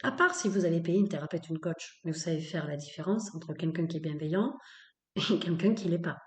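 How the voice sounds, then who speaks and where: A woman's voice: fairly low pitch, brisk. Emphatic woman, echoey room. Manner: emphatic, repetitive, with many fillers; blunt, opinionated. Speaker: podcast host. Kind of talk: spoken-word episode.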